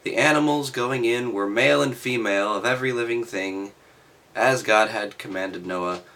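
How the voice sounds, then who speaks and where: A man reading aloud and adding halting, offhand, skeptical commentary with sardonic asides. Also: fairly low pitch, sharp tone, poor audio. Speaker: reader and commentator.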